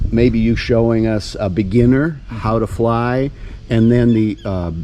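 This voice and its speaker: There is noticeable background noise. A man speaks at medium pitch and a fairly slow pace. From Canada. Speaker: YouTube interviewer. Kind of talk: casual interview.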